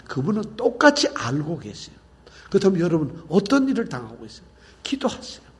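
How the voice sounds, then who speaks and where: A man preaching a sermon, emphatic, asking the congregation questions and swinging between cries and quiet murmurs. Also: high voice. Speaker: pastor.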